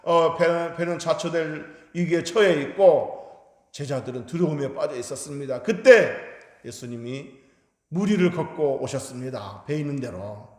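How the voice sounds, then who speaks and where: A man preaching a Sunday sermon in a church sanctuary, earnest, his voice swelling loud on points of emphasis. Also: on the high side, normal speed. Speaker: pastor. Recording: echoey hall reverb.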